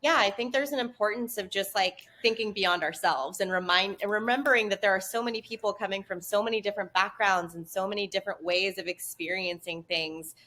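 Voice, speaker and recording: A woman's voice: mid-range voice, brisk, hardly any pauses, bright, forceful tone. A woman hosting a podcast interview, speaking thoughtfully and at length with frequent "like" and "you know.". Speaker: podcast host. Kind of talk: casual podcast conversation.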